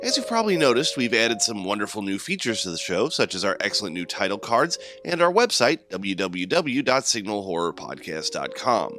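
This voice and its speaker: A man's voice: fairly low pitch, very animated, fairly quick, few pauses, fairly bright tone, soft background music. A man who creates and narrates a podcast, reading from a script in a polished, prepared style. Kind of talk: scripted announcement and story narration.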